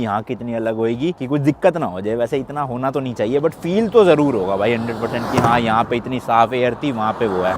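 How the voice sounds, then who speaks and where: A man from India talking casually to his viewers in a travel vlog, chatty and addressing them as brother, standing outdoors by a highway. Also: a little mellow, slight background noise. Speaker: travel vlogger. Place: outdoors at a highway lay-by with traffic passing.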